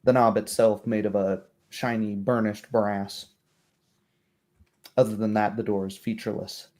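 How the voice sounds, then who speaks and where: Man, game master, descriptive tabletop narration, measured delivery, dark relaxed tone, lowish pitch.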